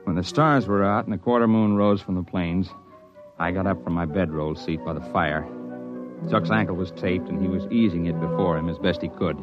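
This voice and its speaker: A man narrating a mountain adventure in the first person, steady and matter-of-fact, in an old radio drama style. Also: sits low, moderate pace, natural voice. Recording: lo-fi old radio broadcast with music.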